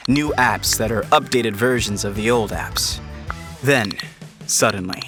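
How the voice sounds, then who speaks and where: A man's voice: fairly low pitch, measured pace. A man narrating a scripted fiction podcast as a storyteller, setting scenes. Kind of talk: scripted audio drama narration. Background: music.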